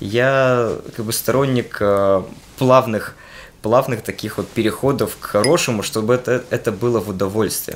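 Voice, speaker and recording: A man talks in an unremarkable speaking voice at medium pitch. His pace is moderate and his intonation fairly even. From Transnistria. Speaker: entrepreneur, athlete and poet. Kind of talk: interview conversation.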